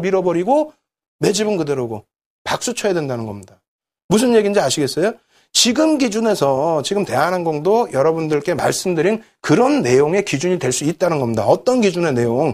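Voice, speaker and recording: A man's high-pitched voice at a fairly quick pace, with very wide pitch swings, on a very clean recording with a silent background. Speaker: stock market lecturer. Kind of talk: lecture. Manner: fast; animated.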